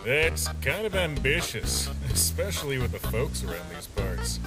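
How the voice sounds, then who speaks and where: A man voicing a sly, teasing skeleton sentry monster with a gruff streak and smug pet names, in a comic dub. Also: medium pitch, sing-song, unhurried. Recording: music playing behind.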